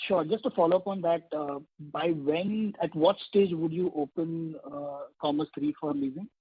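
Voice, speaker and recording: A man's voice: a little high, normal speed, breathy edge, no room sound. A man with an Indian accent, a financial analyst, puts questions to management on an earnings call. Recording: tinny, dry phone line.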